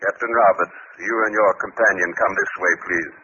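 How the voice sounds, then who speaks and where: An actor playing a stern, imperious military commander in 1950s radio drama style, formal and curtly dismissive. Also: male voice, deep voice, steady tone, brisk, bright, forceful tone. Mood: commanding. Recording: noisy, muffled 1950s radio recording.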